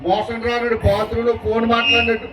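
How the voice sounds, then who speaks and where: A man's voice: extremely high pitch, level tone, quick pace. A man doing live stage comedy, cheeky and teasing. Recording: live outdoor crowd noise.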